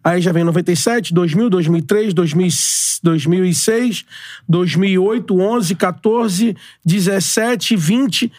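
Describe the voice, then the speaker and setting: On a studio-quality podcast recording with no room sound, a high-pitched, slightly mellow Brazilian man in his 40s speaks a little slowly. He's a guest campaigning for club president, and he's earnest, repetitive and fond of slogans.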